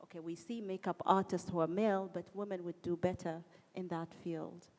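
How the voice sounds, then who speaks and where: Soft-voiced woman panelist. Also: fairly low pitch, fairly even intonation, normal speed. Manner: hesitant, many fillers. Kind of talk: panel discussion. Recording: echoey conference hall.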